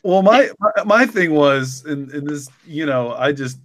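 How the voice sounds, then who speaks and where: A man's voice: fairly high pitch, animated. Man in hesitant, rambling casual chat. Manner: halting, rambling, repeats words. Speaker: co-creator and writer discussing his story.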